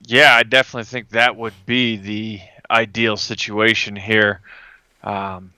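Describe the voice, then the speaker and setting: A man with a strikingly bright, clean voice talks through his turn in a tabletop game. He is casual, slightly tentative and self-deprecating, and the sound is dry and close. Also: fairly low pitch, flat delivery, measured pace, clear, resonant tone, no room sound. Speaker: player in a tabletop role-playing game.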